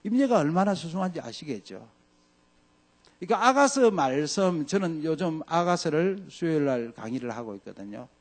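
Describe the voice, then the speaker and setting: A male pastor delivers a sermon with a lively, wide-ranging voice that sits fairly high. He climbs to loud peaks and drops to hushed lows, acting out scripture quotes along the way. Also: normal speed. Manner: animated preaching, voice swings from loud highs to quiet lows.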